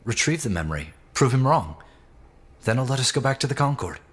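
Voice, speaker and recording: A man playing an earnest, helpful research assistant in an audio drama, speaking gently. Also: medium pitch, sing-song, brisk, husky. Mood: earnest, quiet. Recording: faint music behind the voice.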